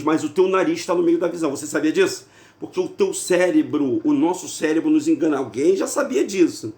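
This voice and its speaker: A man's voice: on the high side, echoey room. A man from Rio de talking casually to viewers, chatty and full of rhetorical questions. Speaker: video host. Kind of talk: casual monologue to camera.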